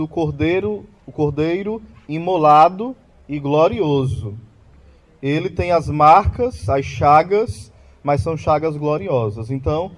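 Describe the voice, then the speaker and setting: A man's voice: a little high, darkish tone. A man with a Brazilian Portuguese accent giving a catechetical talk about the Mass, often asking the audience questions and answering them himself. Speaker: Catholic lay preacher.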